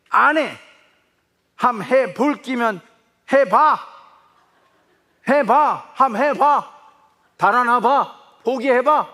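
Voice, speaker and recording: An impassioned middle-aged stepfather, as a preacher acts him out, swears he will never give up his love. He speaks in thick Gyeongsang dialect, slow and pleading, climbing high into shouts. The voice sits well above a man's usual pitch. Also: exaggerated voice.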